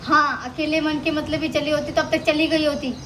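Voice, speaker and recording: A woman playing a stubborn young wife who keeps insisting on going to her mother's house, speaking Hindi with a Maithili tinge in a hoarse, whiny voice. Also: high voice, little pitch movement, normal speed, lightly acted. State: hoarse throat. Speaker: comic sketch actor. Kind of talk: rural comedy sketch acting. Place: outdoors in a village. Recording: loud outdoor noise, village sounds.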